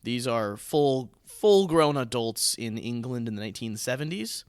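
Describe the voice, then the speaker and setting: A man's voice: mid-range voice, lively intonation, moderate pace, clean tone, no room sound. American man hosting, close and dry sound. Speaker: podcast host and theatre producer. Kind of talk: casual podcast chat.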